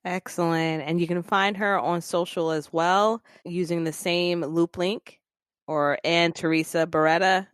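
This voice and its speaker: A woman hosting a business podcast in a casual, playful and slangy way, quick to laugh. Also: fairly low pitch, fairly even intonation, clean tone, no room sound, studio quality. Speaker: podcast host. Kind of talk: casual interview chat.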